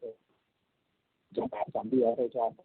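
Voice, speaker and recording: A man's voice: mid-range voice, little pitch movement, breathy edge, dry recording. Man on a breaking-up phone line. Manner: halting, restarting questions. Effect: bad connection, voice breaking up. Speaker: analyst on an earnings call. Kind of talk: conference call questions. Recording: dry tinny phone line.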